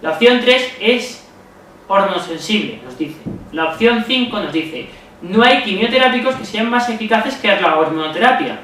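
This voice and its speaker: A man's voice: high-pitched, expressive, normal speed, a bit bright. A man with a Spain Spanish accent giving a methodical exam-strategy lesson as a medical exam tutor, often checking in with listeners. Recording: very echoey room, voice far from mic, faint noise.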